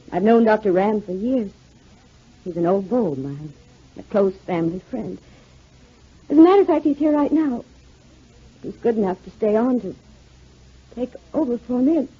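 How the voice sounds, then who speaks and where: An actress playing a composed, well-mannered new widow with a breathy voice in a 1940s radio drama. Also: female voice, a little high, lively intonation, moderate pace, pauses often. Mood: subdued. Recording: muffled 1940s radio recording.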